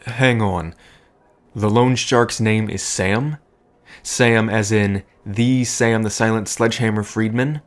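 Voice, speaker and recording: A man playing a wry, cautious sidekick to a poker boss, with a dry, deliberate delivery in a scripted audio drama. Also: on the low side, steady tone. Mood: puzzled.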